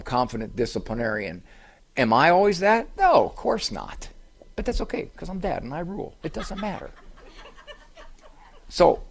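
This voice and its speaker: Animated older man with gravelly voice. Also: medium pitch. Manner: animated, self-deprecating joking. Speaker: radio talk show host and psychologist. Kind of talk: live talk show, humorous storytelling. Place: live event on a cruise ship.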